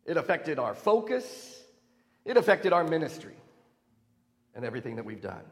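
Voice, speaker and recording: A man's voice: fairly high pitch, sing-song, normal speed. A man preaching a sermon as pastor, conversational and self-deprecating, in a church sanctuary. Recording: long reverb in a church hall.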